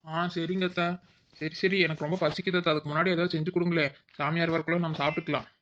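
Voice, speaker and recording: Brief: a performer doing a fast-talking, whiny young village daughter-in-law, mid-pitched, on a dull lo-fi track. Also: little pitch movement, a bit bright, close to an everyday voice. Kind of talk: cartoon voice acting. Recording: dull lo-fi recording.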